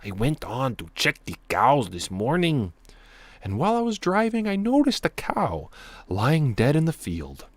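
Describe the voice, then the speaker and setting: A man's voice: wildly swooping pitch, measured pace, dry recording. A man voicing a worried middle-aged male rancher phoning the police, with an exaggerated Mexican accent and an urgent, pleading manner. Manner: pleading, urgent, loud and high.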